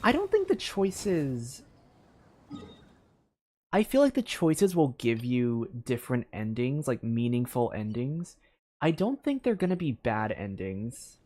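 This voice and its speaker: A young man streaming a story game, thinking out loud in a loose, rambling way with lots of filler words and restarts. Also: medium pitch, very animated, unhurried. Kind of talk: casual live-stream commentary.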